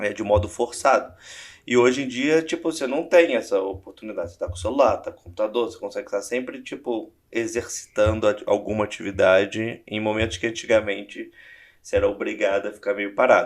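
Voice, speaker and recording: His loudness swings widely as this man speaks at a fairly quick pace. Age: 40s. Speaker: podcast co-host. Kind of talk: casual chat. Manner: fast.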